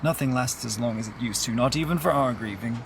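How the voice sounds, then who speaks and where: A man acting in an audio drama as a devout, reassuring Irish Catholic mourner, explaining things gently in a conversational way. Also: medium pitch, quick pace, gravelly, slight background noise, lightly acted. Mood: earnest, explaining.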